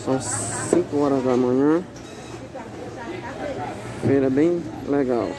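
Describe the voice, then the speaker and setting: A man's voice: mid-range voice, slow pace, a crowd in the background. A man chatting upbeat through a casual walking vlog at a big covered street market, filmed on a handheld phone. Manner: upbeat, chatty, asks vendors prices. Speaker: vlogger touring a market. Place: large covered open-air street market. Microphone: handheld phone camera. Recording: loud market noise, phone mic.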